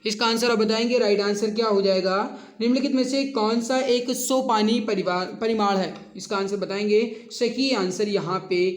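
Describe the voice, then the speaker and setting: A man's voice: high voice, steady tone, moderate pace, few pauses. A man teaching an online exam-prep lesson, addressing students directly and repeating questions and answers. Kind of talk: online lesson, working through quiz questions.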